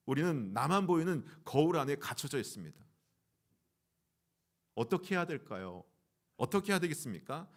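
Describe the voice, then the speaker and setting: A man's voice: a little high, a bit bright. A male pastor preaching a Sunday sermon, asking the congregation questions and acting out the voices of Jonah and God.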